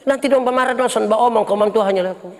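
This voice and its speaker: A male pastor, bantering with his congregation in a lively sermon and acting out little quarrels. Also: very high-pitched, quick pace. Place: church hall with congregation. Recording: reverberant hall, noisy congregation.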